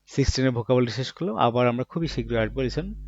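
Gravelly-voiced man explaining vocabulary. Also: medium pitch, expressive, rapid-fire, dry recording. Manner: teaches each word, then explains it with everyday examples; asks himself questions and answers them. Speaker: Japanese language teacher. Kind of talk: vocabulary lesson in Bangla. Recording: dull, muffled recording in a dry room.

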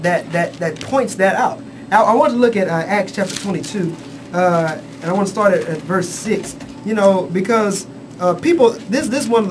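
A man's voice: high voice, background noise. A man teaching from the Bible on a church radio show, earnest, restarting his phrases often. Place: small radio studio. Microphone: handheld mic.

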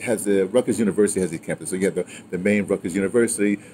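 Older american guy in his 60s chatting outside, rambling storyteller, soft dark tone, bit of background noise. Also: deep voice, very fast. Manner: animated, rambling, digressive, often ending phrases with "right?" and "you know". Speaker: guest recounting his radio history. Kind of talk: casual conversational storytelling. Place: outdoors, by a house with a wooden awning. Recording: clear background ambient noise outdoors.

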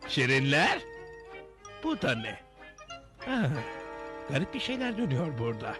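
A man voicing a kindly old Smurf elder in a dubbed cartoon, fatherly and dramatic. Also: sits high. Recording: music behind the voice.

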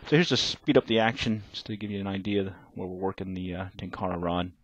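A man's voice: low voice, fast, no echo. A middle-aged man, narrating his fishing trip in a laid-back, plain-spoken way with lots of uh fillers. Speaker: fishing vlogger. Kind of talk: casual voice-over narration.

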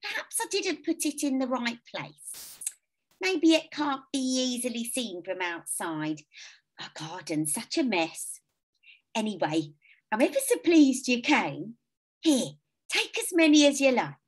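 A woman voicing a lonely, kindly old woman who talks in a gentle, fussy, chatty way. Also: on the high side, lively intonation, unhurried, pitched above the performer's own voice.

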